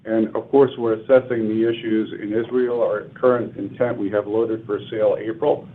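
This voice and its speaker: A man speaking as a company executive, answering questions on an earnings call in measured, businesslike corporate phrasing. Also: on the low side, flat delivery, a little hiss or hum. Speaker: airline executive answering analysts. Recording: narrow phone-line conference call audio.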